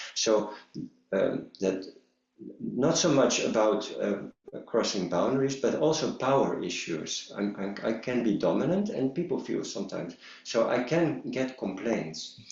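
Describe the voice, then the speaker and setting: A man at medium pitch with lively intonation, talking at a fairly slow pace amid audible room echo. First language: not English. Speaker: Zen teacher. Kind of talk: Q&A discussion. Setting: video call. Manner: halting, many fillers and repeats.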